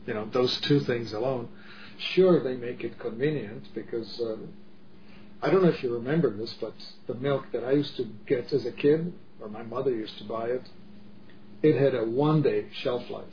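A middle-aged Czech man with a medium-pitched voice talks at a moderate pace in a casual discussion. He is earnest and emphatic, often restarting his sentences, and the audio is dull and lo-fi with faint noise.

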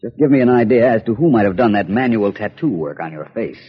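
Philo Vance, a suave dry detective. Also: male voice, lowish voice, expressive, fast talker, husky. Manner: dry, ironic, composed. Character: suave urbane male detective. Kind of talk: 1940s radio acting. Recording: dull old radio recording.

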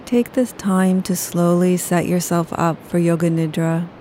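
A woman leading a guided yoga nidra meditation, speaking slowly and soothingly. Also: fairly low pitch, little pitch movement, warm tone, slight background noise. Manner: slow, soothing, unhurried.

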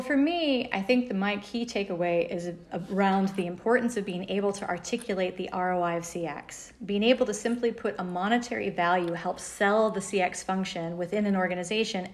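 A woman's voice: medium pitch, a little fast, hardly any pauses. An American woman who works in analyst relations gives effusive, polished answers in a conference interview.

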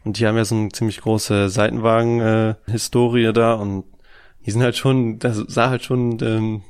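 A man in a casual chat, explaining things in a relaxed, rambling way. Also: on the low side, normal speed, clear, resonant tone. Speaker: co-host.

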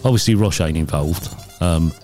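A man's voice: low-pitched, moderate pace, darkish tone. A man hosting a podcast, teasing his co-host and telling stories bluntly. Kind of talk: casual chat.

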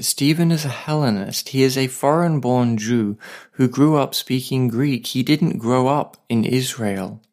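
A man who hosts a Bible podcast, reading a scripture passage aloud in a steady voice and breaking off to explain it in a livelier way. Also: medium pitch, vocal fry.

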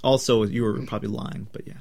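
A man's voice: lowish voice, fairly even intonation, quick pace, creaky, a little mellow. A young man co-hosting a podcast while sick, talking bluntly and crudely and teasing his co-host in casual chat.

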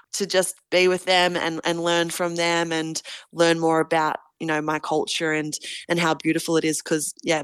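Woman in her twenties, interview guest: low-pitched, smooth, earnest and thoughtful, dry close sound. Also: no echo. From Australia. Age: 20s. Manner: earnest, reflective, thinks aloud. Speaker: guest, rugby league captain. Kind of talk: casual interview answers.

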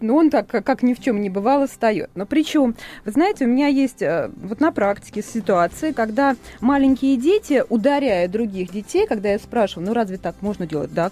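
Female psychologist guest, mellow tone, calm explanatory delivery. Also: a little high. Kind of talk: radio studio discussion.

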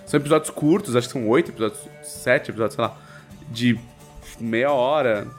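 A man's voice: mid-range voice, brisk, faint music behind. A man with a Brazilian accent co-hosting a podcast in casual chat, telling stories animatedly and slipping into slang. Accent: Brazilian Portuguese. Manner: animated storytelling, quoting others in raised voice; slangy, frequent fillers. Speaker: podcast co-host.

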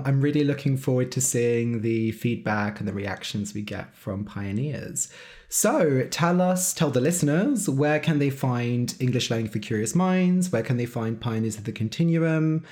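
Man, podcast host, mid-pitched voice, friendly, upbeat, reflective. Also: moderate pace, darkish tone. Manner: friendly, enthusiastic, a bit philosophical. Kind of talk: podcast interview and outro.

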